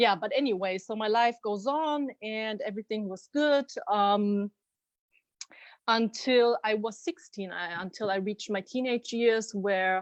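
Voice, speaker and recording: A woman with a fairly high voice speaks at a fairly slow pace. Her pitch varies in an ordinary way, and the sound is dry and close with no echo. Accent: German. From Germany. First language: German. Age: 30s. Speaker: interview guest sharing life story. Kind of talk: personal testimony. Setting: livestream video call.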